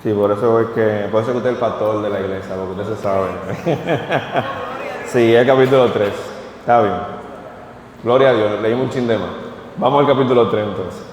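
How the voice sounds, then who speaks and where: A man's voice: fairly low pitch, normal speed, long pauses, a little mellow, slight background noise. A man, reading scripture aloud at a church vigil and then speaking plainly to the congregation. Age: 30s. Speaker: preacher. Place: church hall at a vigil service. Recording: echoey hall with long reverb.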